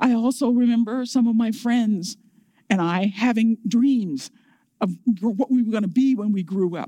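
In an American accent, a woman speaks at a moderate pace with a fairly high, somewhat breathy voice, a dark, mellow tone and ordinary pitch variation. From Virginia, US. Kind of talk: sermon. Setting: church service.

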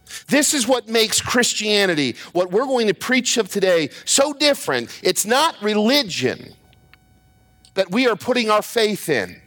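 High-pitched male speech at a moderate pace over noticeable background noise. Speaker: preacher. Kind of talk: sermon. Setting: church. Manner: animated, call-and-response, urging the congregation to say amen; repetitive, halting, stumbling and restarting phrases.

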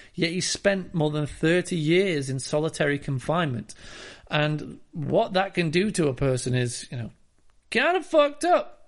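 A man speaks with a British accent at a fairly high pitch. The background is quiet. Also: ordinary pitch variation, fairly slow pace. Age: 30s. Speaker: film podcast host. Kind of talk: casual solo podcast talk. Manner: animated.

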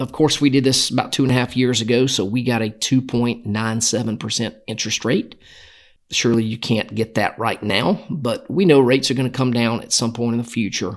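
A man with a Southern US accent at medium pitch, fairly quick pace and ordinary pitch variation, on a very clean recording with a silent background. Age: 50s. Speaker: financial planner and podcast host. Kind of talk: casual solo podcast talk. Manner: conversational, with fillers.

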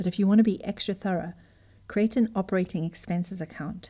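Somewhat breathy and with a dark, mellow tone, a woman speaks at a medium pitch and a fairly quick pace with fairly even intonation, in a very clean recording with a silent background. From Zimbabwe. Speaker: business coach podcast host. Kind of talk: scripted podcast monologue.

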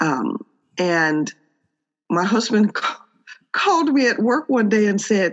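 A woman speaks with vocal fry. Her pitch makes very wide swings. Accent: American. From US Midwest, Chicago. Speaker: entrepreneur. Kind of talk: interview.

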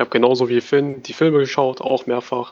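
With a medium pitch, a man's speech runs at a fairly quick clip. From Thuringia, Erfurt. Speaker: podcast co-host, tabletop gamer. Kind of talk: casual chat.

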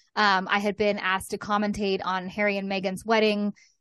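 The speaker has a Californian accent and a moderate pace. The sound is dry and close with no echo, over a quiet background. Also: woman. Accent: Californian American. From Los Angeles, US West Coast. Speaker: sobriety coach. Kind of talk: casual chat.

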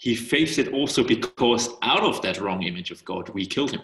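With a German accent, a medium-pitched man speaks at a moderate pace with lively intonation. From Germany. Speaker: youth worker and theology student. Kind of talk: casual chat.

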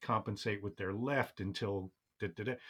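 A man with an ordinary speaking voice, fairly low pitch and moderate pace, in a very clean recording with a silent background. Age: 50s. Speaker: clinical hypnotist and elder care worker. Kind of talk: casual interview.

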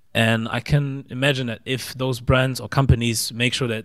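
In a German accent, a man speaks with fairly even intonation on a very clean recording with a silent background. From southern Germany. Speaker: podcast host. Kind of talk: interview. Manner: halting.

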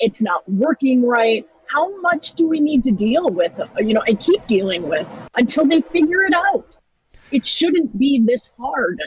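At a fairly slow pace, a woman with a high-pitched voice speaks with very wide pitch swings. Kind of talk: casual chat.

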